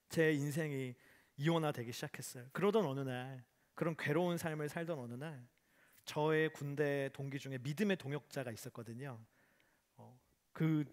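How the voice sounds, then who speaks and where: A man in his forties, a pastor giving a sermon, telling stories with humorous acted quotes. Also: a little high. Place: church hall.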